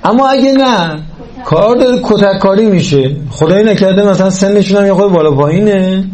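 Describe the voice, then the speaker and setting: A man's voice: sits high, a little mellow, poor audio. Earnest male religious lecturer. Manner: earnest, checks in with listeners through rhetorical questions. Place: lecture with a live audience.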